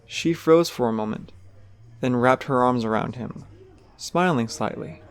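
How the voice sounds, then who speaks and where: Gravelly man narrating a story. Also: medium pitch, a little slow, dry recording.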